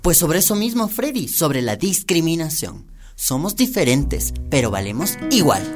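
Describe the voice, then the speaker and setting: A man's voice: a little high, very animated, moderate pace, over music. A male actor playing a proud, flamboyant young trans woman with a lilting, assertive manner in a radio drama. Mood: eager, proud.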